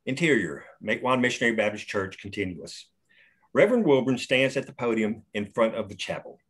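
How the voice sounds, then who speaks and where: A man's voice: mid-range voice, lively intonation, fairly quick, a bit bright, husky. Man reading stage directions plainly. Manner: plain, matter-of-fact reading. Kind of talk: script table read.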